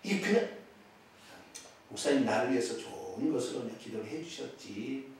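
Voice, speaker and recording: A man preaching a sermon as pastor, with a regional Korean accent, swinging between loud exclamations and hushed asides. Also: medium pitch, moderate pace, a little hiss or hum. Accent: Korean regional dialect. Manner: animated preaching with sudden loud exclamations and drops to near-whispers. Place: church sanctuary. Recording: echoey church sanctuary, from far off.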